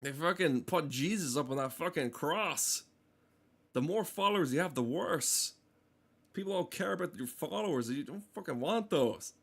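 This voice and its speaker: A man's voice: fairly high pitch, expressive, moderate pace, slightly rough. A man rambling casually as a game streamer, swearing often and ranting in a mock-earnest way. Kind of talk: casual rambling livestream commentary.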